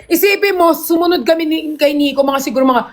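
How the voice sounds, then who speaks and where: A young woman chatting excitedly on a livestream, often shouting when gifts come in. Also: high voice, fast. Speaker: live-selling streamer. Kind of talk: casual livestream chat.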